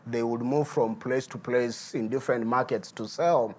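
A middle-aged man, a guest pastor giving a sermon and telling his testimony in an earnest, unhurried way. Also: mid-range voice, steady tone, a little mellow, slight background noise. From Uganda.

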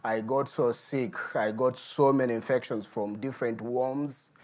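A man's voice: mid-range voice, steady tone, a little slow, a little mellow. Earnest man preaching. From Uganda. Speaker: guest pastor. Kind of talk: sermon with personal testimony.

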